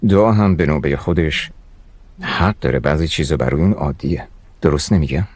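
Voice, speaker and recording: A deep-voiced, fatherly older uncle. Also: no room sound. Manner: steady, persuasive, fatherly. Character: wise older male uncle, calm counselor. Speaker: uncle giving advice. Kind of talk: Persian drama dubbing. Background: soft music score.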